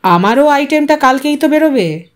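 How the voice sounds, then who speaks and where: A woman's voice: high voice, lively intonation, moderate pace. A woman voicing an earnest, stubborn male newspaper correspondent in a story, formal in his questions and easily testy.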